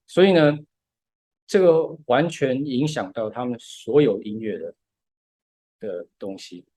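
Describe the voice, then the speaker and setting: A man talks through musical ideas at an unhurried, patient pace, often dropping in short words of agreement. His voice is mid-pitched. It is recorded close and dry, with no room sound. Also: mellow, no room sound. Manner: patient step-by-step explaining, often says "对". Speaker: podcast co-host explaining music. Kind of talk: casual podcast chat.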